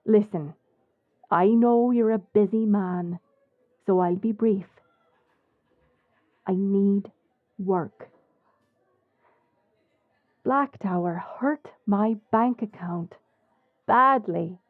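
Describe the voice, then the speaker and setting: A woman with an Irish accent playing a bold, sly smuggler captain in an audio drama, composed and cheeky in a measured way. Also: mid-range voice, no echo, narrow, tinny audio. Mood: earnest, persuasive. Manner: measured, deliberate. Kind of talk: audio roleplay acting with story narration.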